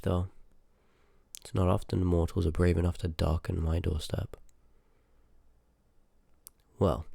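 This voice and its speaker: A man's voice: low-pitched, gravelly, a little mellow, no room sound. A man voicing a rude, sarcastic, reluctant sorcerer of a haunted house in a scripted ASMR roleplay, grumbling and dismissive, close on the microphone.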